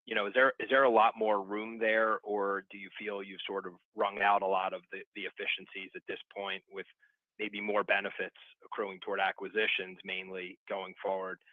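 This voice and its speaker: Low-voiced male analyst on tinny phone. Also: no echo. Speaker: financial analyst. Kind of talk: earnings call questioning. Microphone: telephone. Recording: dry, tinny phone line.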